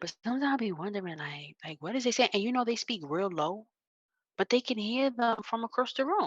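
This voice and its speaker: With an American accent, a woman speaks at a moderate pace and fairly high pitch with very wide pitch swings, in a dry, close sound with no echo. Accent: slight country. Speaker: podcast guest. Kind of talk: casual chat. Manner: animated.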